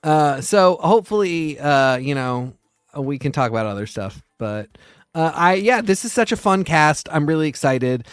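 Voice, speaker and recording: A man's voice: fairly high pitch, expressive, normal speed, clear, resonant tone, no echo, studio quality. A man co-hosting a podcast, chatting casually in a thoughtful, somewhat hesitant way. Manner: thoughtful, hesitant, with many fillers and restarts. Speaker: podcast co-host. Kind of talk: casual chat.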